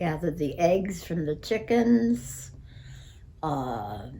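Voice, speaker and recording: A woman with an American accent, very deep, low pitch, vocal fry and very wide pitch swings, at a very slow pace with audible room echo. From New Jersey, US (Clifton). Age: 80s+. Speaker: interviewee, host's mother. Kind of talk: interview.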